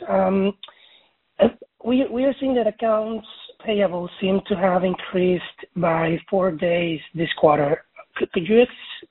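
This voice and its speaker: A man with a husky voice calling in as a financial analyst, asking questions in a hesitant, rephrasing way. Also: high voice. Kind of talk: spontaneous question on earnings call. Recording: muffled narrow phone-line audio.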